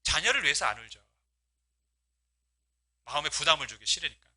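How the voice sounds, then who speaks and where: Pastor guy preaching, high bright voice, swings up and down a lot, keeps asking the church questions. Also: sing-song, a little fast. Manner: addresses congregation directly with rhetorical questions; voices quoted speech with rising emotional emphasis. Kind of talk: sermon.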